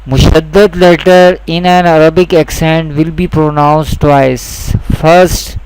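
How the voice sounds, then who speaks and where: A man teaching a course lesson, slow and deliberate, repeating each point twice with South Asian English phrasing. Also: fairly high pitch, little pitch movement, a little mellow, a little hiss or hum, rough recording. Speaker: Quran teacher. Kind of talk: slow, repetitive instructional lesson.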